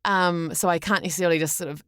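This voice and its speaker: A woman with a New Zealand accent speaks in a fairly low register, recorded close and dry. She talks casually as an interview guest, recounting things in an animated, conversational way and voicing other people's remarks. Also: fast talker, smooth, dry recording. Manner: animated storyteller, often acts out quoted remarks. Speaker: podcast guest, voice actor. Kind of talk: casual anecdotal interview chat.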